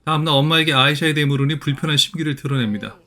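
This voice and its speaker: A man narrating a fast, scripted recap of a series over its clips. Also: fairly high pitch. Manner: brisk, even storytelling. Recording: voice-over with loud music underneath.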